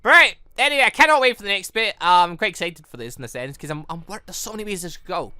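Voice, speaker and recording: A gaming channel host giving excited, rambling, exclamatory playthrough commentary, thinking aloud into a close microphone. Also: medium pitch, fast talker, clear, resonant tone, no echo.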